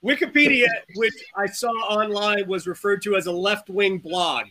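A man hosting a casual sports show, chatting with guests in a halting, hesitant way. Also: sits high, crowd noise.

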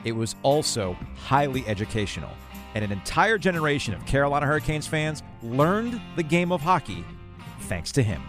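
A man's voice: mid-range voice, very animated, normal speed, music in the background. A man hosting a sports podcast, narrating a scripted story about local sports.

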